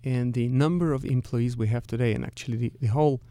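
Man, middle-aged, Russian accent, gravelly creak, mellow dark tone, measured interview answers, close dry sound. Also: medium pitch, no room sound. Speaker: company chief executive, interview guest.

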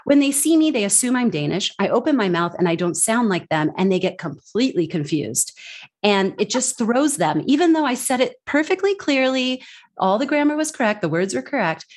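A woman from the United States, a guest in a conversational interview, talking in a lively way and acting out what others said in a raised voice. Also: a little fast. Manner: animated, acts out quoted people in high voices. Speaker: guest speaker on accents and communication.

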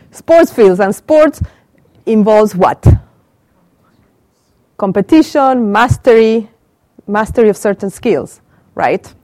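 A woman's voice: mid-range voice, expressive, takes it slowly, pauses often, darkish tone, no room sound. A middle-aged woman from Argentina with an Argentine Spanish accent, giving an interactive lecture to a small group and asking the audience questions. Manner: asks the audience questions and repeats their answers. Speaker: professor giving a talk. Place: small room with a live audience. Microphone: handheld mic.

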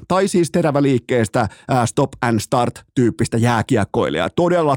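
A man hosting a sports podcast, ranting in a mock-outraged comic way and shouting out quoted commands. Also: medium pitch, no room sound, clean studio sound. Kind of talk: comedic sports podcast rant.

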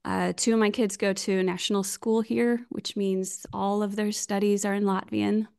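An American woman in her forties, chatting casually as a podcast guest over a video call, self-deprecating and quick to laugh. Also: medium pitch, level tone, vocal fry, a little mellow, smooth. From United States. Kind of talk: casual remote interview chat.

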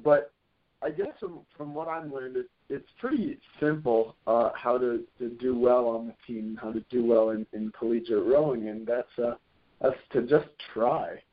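A man's voice: mid-range voice, moderate pace. A man in his twenties, a college rowing captain, giving thoughtful interview answers and often restarting his phrases. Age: 20s. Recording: tinny phone-like line.

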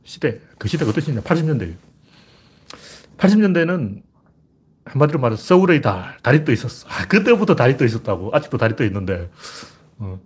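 Older guy with a husky voice just rambling blunt and rough, casual monologue. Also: mid-range voice, big pitch swings, fairly quick. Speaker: commentator. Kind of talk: casual spoken commentary monologue.

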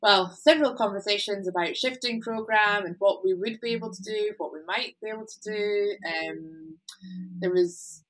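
A woman curator explaining an exhibition in conversation, pausing often with ums. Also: mid-range voice, a bit bright, poor audio. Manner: hesitant, many ums.

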